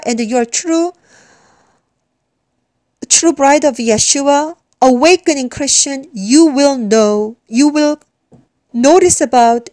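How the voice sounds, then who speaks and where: A woman from South Korea with a Korean accent, giving an earnest religious testimony in halting English, often repeating and restarting words. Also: sits high, darkish tone, no room sound.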